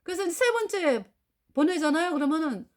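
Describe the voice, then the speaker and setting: A middle-aged woman telling a personal faith testimony, animated, acting out dialogue and laughing often. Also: very high-pitched, fairly quick. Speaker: church member giving testimony.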